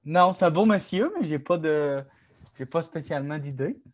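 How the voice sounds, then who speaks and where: A man with a Quebec French accent co-hosts a casual sports chat show and likes to slip in puns. His voice sits a little high. The recording sounds somewhat dull and lo-fi. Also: moderate pace. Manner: joking, makes puns. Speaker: co-host.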